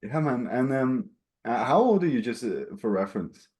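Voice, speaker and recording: A man's voice: medium pitch, expressive, normal speed, darkish tone. Chatty man hosting a casual interview. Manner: friendly, chatty, swears casually. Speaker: interview host.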